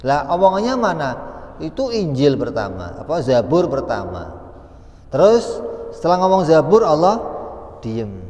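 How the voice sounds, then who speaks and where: A man's voice: fairly high pitch, a little mellow. A man giving an Islamic study lecture in a conversational way, asking questions and answering them himself. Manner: conversational, asks and answers his own questions. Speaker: religious teacher. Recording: long reverb in a hall.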